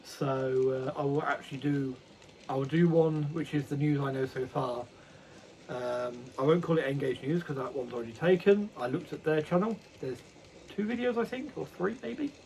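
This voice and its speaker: A man's voice: a little high, moderate pace, darkish tone, a little hiss or hum, low-quality recording. A man casually vlogging about his model railway hobby, rambling and correcting himself with many ums. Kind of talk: casual unboxing chat.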